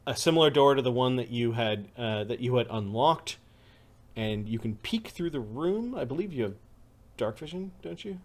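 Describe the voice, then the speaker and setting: A man's voice: medium pitch, lively intonation, moderate pace. A man narrating a tabletop game as game master, rambling with many fillers and self-corrections.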